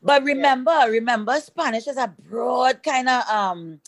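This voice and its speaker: A middle-aged woman speaks with a fairly high voice in a dry, close recording. She is a lively storyteller, chatting casually as a guest in an interview. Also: moderate pace, gravelly, dry recording. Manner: lively storyteller, switches into Spanish and French. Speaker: guest soca singer.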